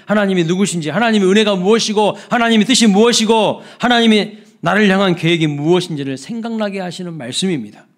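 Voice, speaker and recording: A man delivering a Sunday sermon, his voice sitting a little high for a man. He preaches emphatically, falling suddenly soft and then rising again to act out exclamations. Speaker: pastor. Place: church sanctuary.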